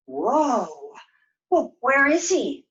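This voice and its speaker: Woman playing an excitable, high-voiced young creature. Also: drawn-out words, highs cut off, heavily acted. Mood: excited. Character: excitable, affectionate young puppet creature, innocent and eager. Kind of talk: live puppet show storytelling.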